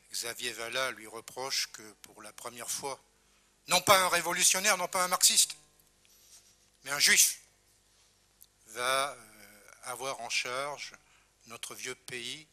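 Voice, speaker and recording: A man's voice: medium pitch, measured pace, pushed and bright. A man giving an emphatic historical talk at a conference who rises on key words. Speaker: conference speaker.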